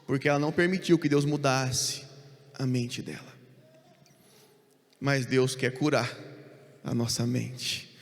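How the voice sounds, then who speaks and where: A man preaching a sermon as pastor, earnest, rushing through some phrases and slowing right down on others for emphasis. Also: medium pitch, fairly even intonation, creaky. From Brazil. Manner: earnest preaching, quick bursts then slow emphatic phrases. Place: church hall. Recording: church hall reverb.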